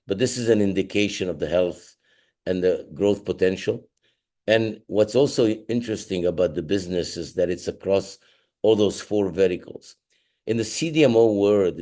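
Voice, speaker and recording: A man's voice: low-pitched, mellow. A middle-aged man, a company chairman, giving a shareholder update while under the weather, speaking hesitantly with many fillers and restarts.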